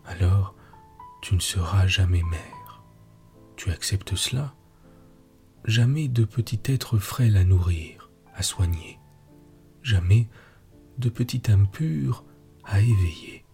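A man's voice: on the low side, expressive, slow pace, gravelly, pauses often, darkish tone, faint music behind, full character voice. A man voicing an anguished old man in whispered role-play, urgent and breathless. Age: older.

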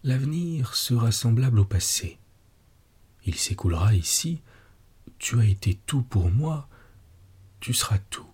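A man voicing a tender, forgiving woman in whispered role-play, soft and breathy. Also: medium pitch, lively intonation, a little slow, pauses often. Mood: gentle.

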